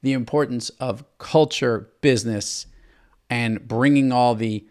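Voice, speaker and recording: A man's voice: mid-range voice, fairly even intonation, measured pace, a little mellow. A man hosting a podcast interview, upbeat and emphatic, with playful asides. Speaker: podcast host.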